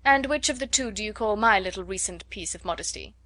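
A woman voicing a good-natured young gentleman who protests good-humouredly. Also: mid-range voice, expressive, fairly quick, dry recording.

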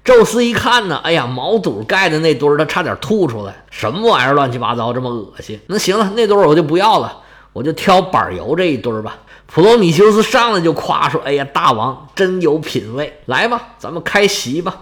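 A man's voice: a little high, very animated, quick pace, fairly bright tone. A man retelling a myth in a colloquial, humorous storytelling style with jokey asides.

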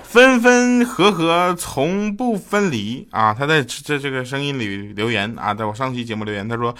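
Man, Northeastern Chinese accent, mid-pitched voice, playful comedy podcast host, casual joking chat, loud music behind. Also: expressive, normal speed. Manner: playful, often laughing. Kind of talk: casual comic chat reading listener messages and telling jokes.

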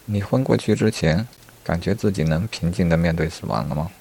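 A man's voice: sits low, a little fast, creaky, darkish tone, husky, full character voice. A man voicing a scornful wolf. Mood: mocking. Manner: blunt, mocking, dismissive. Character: scornful male wolf predator, blunt and mocking. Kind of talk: storytelling.

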